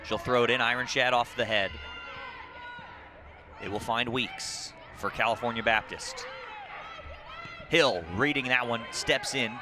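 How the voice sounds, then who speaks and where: A man's voice: mid-range voice, fairly even intonation, measured pace, long pauses. A man doing live TV soccer play-by-play, mixing short clipped calls of the action with statistical recaps. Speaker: play-by-play sports commentator. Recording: clearly noisy outdoor broadcast with crowd ambience. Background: crowd and outdoor ambient noise.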